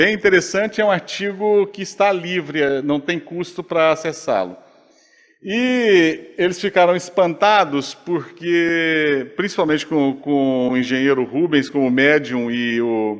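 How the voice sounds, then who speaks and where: In a plain, everyday voice, a man talks at a fairly slow pace with a fairly high pitch and lively intonation. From Brazil, Goiás. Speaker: physician lecturer. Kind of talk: conference lecture.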